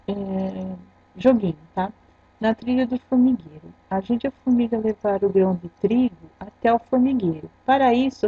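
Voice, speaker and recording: A Brazilian woman teacher records a grammar lesson for her students, patiently explaining each step and tagging points with a quick "tá?". Her Brazilian Portuguese voice is on the high side and husky. The sound is dull and lo-fi, with no echo.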